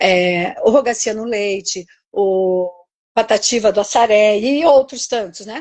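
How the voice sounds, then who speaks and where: Here is a woman with an unremarkable speaking voice. Her pitch is fairly high, with ordinary variation. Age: 60s. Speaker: poet. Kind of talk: interview conversation.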